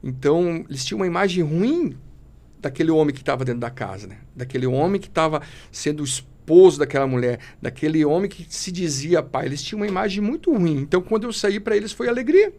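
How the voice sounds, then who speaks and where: A man's voice: on the high side, animated, fast talker, darkish tone. A man giving an emotional personal testimony as a podcast guest, speaking fervently and in a preachy way, often calling the listener brother.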